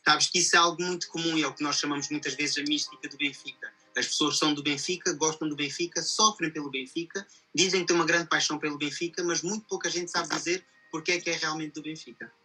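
A man with a European Portuguese accent hosts a conversational interview at a quick pace. His voice runs a little high and is husky, with a very bright edge. He explains things at length. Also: steady tone, rough recording. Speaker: interview host.

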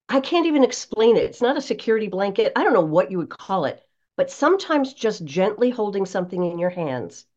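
A woman voice coach giving practical tips as an interview guest, speaking in an animated, expressive way. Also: fairly high pitch, lo-fi sound.

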